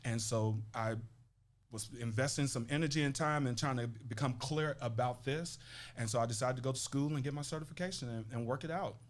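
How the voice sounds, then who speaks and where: A man's voice: medium pitch, fairly quick. A man from Tennessee, a life coach talking earnestly and reflectively as an interview guest. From Nashville, Tennessee. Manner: earnest, reflective, frequent restarts. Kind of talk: casual interview conversation.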